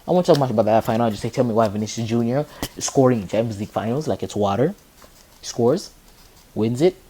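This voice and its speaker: A young man hosting a podcast, chatting excitedly about football, laughing often and hammering the same rhetorical question. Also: mid-range voice, fast talker, slight background noise. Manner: excitable, keeps repeating "tell me why", laughs often. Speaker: podcast host. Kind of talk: casual football chat.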